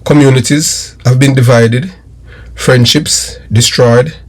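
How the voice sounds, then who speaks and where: A man's voice: mid-range voice, fairly even intonation, takes it slowly. A middle-aged man with a Jamaican accent, a former detective delivering emphatic, repetitive political commentary straight to his viewers.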